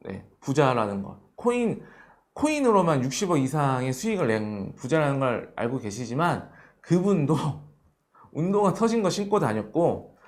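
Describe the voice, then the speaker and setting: Male host, thirties, explaining money to young adults; earnest, repetitive, lively delivery. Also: medium pitch. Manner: earnest, repeats points with "ne" fillers. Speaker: host of an economics show.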